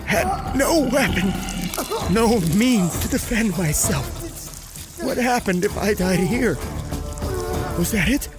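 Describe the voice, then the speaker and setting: An actor playing a terrified, dying man who tells his horror story in a strained, halting way. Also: sits high, big pitch swings, exaggerated voice. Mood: desperate, frightened. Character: terrified, dying man trapped with giant snake. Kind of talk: dramatized horror audio narration. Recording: music under the voice.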